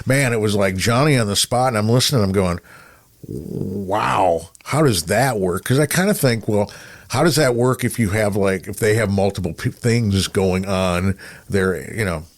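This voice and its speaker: Low-voiced, rambling American man. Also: moderate pace. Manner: rambling, wry, self-deprecating. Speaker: radio broadcaster, podcast co-host. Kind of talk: casual chat.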